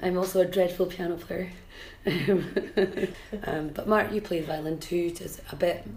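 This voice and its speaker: A woman's voice: on the low side, measured pace. A young Scottish woman, a folk fiddler and singer, talking frankly in an interview with plenty of ums. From Scotland. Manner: frank, lively, frequent ums. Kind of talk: casual interview talk.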